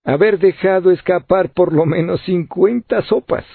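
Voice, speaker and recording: A man's voice: high-pitched, measured pace, gravelly, no room sound, voice pushed up, full character voice. A man voicing an obstinate, grumbling grown sailor in a tinny, lo-fi audiobook recording. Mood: stubborn. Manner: grumbling, stubborn.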